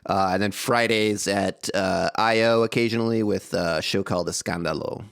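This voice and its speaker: A man co-hosting a podcast, lively, with a chuckle in his talk. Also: lowish voice, moderate pace, creaky, smooth, no echo, studio quality. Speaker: podcast co-host. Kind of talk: casual chat.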